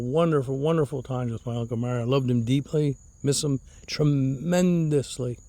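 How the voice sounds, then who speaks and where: Man hosting a casual outdoor vlog: rambling, chuckling, higher voice, dry close sound. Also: darkish tone, dry recording. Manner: chuckling, rambling, repeats words. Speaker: fig grower and channel host.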